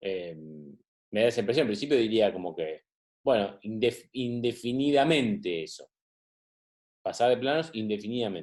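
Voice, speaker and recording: A man with a Rioplatense accent at medium pitch and moderate pace, lively in intonation, with long, frequent pauses against a quiet background. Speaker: psychiatrist. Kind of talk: casual conversation. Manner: halting.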